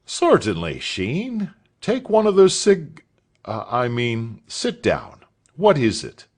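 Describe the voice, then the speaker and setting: A man reading aloud voices a kindly, eager schoolmaster keen on boxing, with an animated, exclaiming delivery. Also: medium pitch, slow, breathy edge, pitched above the performer's own voice, full character voice.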